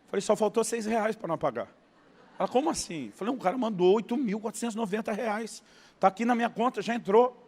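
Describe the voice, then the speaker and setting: A Brazilian male pastor preaching with a fairly high voice. He tells his story with animated, acted-out dialogue. The sound carries a long reverb, as in a large hall. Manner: animated storyteller, acting out dialogue, laughing at punchlines. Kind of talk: sermon storytelling.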